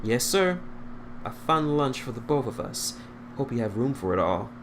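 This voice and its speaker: A man voicing a cheerful, playful young elf princess from fan fiction, pitched up, on a noisy recording. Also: sing-song, moderate pace, lightly acted. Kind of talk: fan fiction character reading.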